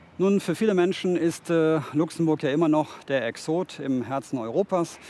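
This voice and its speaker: The man's voice has a dark, mellow tone and a dry sound with no echo. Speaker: tourism host. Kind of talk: broadcast presentation. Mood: upbeat, welcoming. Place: waterside. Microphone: headset.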